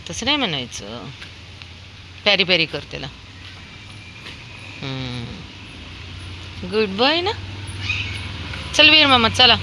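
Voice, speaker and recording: A woman's voice: on the low side, sing-song, slow pace, long pauses, sharp tone, slight background noise. A woman chatting casually while walking a dog outdoors on a sunny street, calling out in a coaxing, sing-song way to a toddler and the dogs. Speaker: dog owner vlogger.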